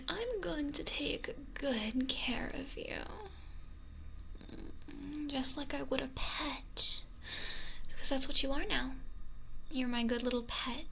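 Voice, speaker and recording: A woman playing a possessive, wealthy mafia boss in an intimate ASMR roleplay, breathy and often whispery, with a slow, softly threatening manner. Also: on the high side, slight background noise, heavily acted. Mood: soft menace. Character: possessive, domineering wealthy female mafia boss, lonely, menacing. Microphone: close binaural ASMR microphone.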